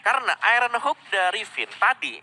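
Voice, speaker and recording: A man's voice: high-pitched, sing-song, normal speed, sharp tone, a little hiss or hum. A man with an Indonesian accent giving analysis as co-commentator of a live esports match.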